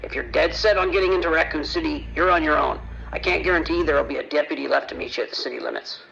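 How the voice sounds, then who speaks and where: A man's voice: fairly high pitch, fast talker, gravelly, pushed and bright, a little hiss or hum, heavily acted. A man playing a weary, guarded county deputy in a horror audio drama, terse and grim over a muffled police radio. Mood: grim, confiding. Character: weary, tense, guarded male county sheriff's deputy dispatcher.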